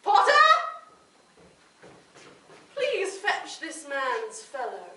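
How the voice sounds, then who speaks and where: Distant and very echoey, a woman acts a pompous, distractible lord on a pantomime stage. The delivery is slow and theatrical, with high, swooping intonation. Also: expressive. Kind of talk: amateur comic pantomime stage acting. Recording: echoey hall, distant mic, faint noise.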